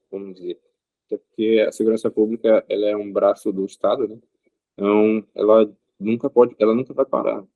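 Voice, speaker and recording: A man, an interview guest speaking in a measured way with frequent pauses and filler sounds. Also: on the low side, dark tone, no room sound, dull audio. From Rio de Janeiro state, Brazil. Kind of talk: casual interview answers.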